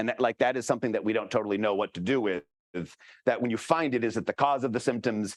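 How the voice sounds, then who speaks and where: A man speaks at a very fast pace with a medium pitch. The sound is dry and close with no echo, over a quiet background. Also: ordinary pitch variation. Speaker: physician. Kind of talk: lecture. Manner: halting.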